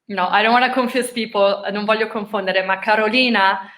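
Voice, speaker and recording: A woman's voice: mid-range voice, fairly even intonation, a little fast, a bit bright. A woman hosting an interview, carefully repeating and restating her guest's answers. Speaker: interviewer, host. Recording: echoey room.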